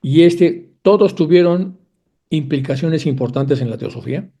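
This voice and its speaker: A man giving a lecture, reading long passages aloud with frequent restarts and pauses. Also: on the high side, dark tone, slightly rough, highs cut off. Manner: reads aloud a long first-person account with frequent restarts.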